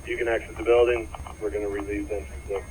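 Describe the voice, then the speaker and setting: Through heavy radio noise and clicks comes a man with a fairly low voice, acting as fire incident commander. He gives terse, procedural instructions and updates in firefighter radio traffic. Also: steady tone, quick pace. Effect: two-way radio.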